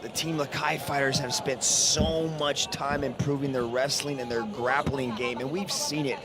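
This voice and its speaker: A man's voice: mid-range voice, fairly even intonation, normal speed, loud music behind the voice. A man giving technical, explanatory live commentary on a mixed martial arts fight as the analyst. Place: ringside at a fight arena. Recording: loud arena crowd behind voice. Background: loud crowd.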